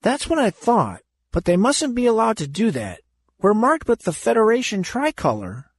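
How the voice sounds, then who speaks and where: A man's voice: high-pitched, wildly swooping pitch, moderate pace, slightly rough, dry recording, studio quality, pitched above the performer's own voice, heavily acted. A man voicing a timid young male crewman who bleats and panics. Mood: frightened.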